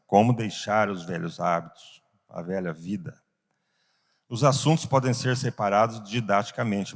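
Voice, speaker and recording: Earnest low-voiced Brazilian man teaching. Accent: Brazilian Portuguese. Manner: earnest, rhetorical questions, slow emphatic pauses. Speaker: Sunday school teacher. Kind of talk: Bible class teaching.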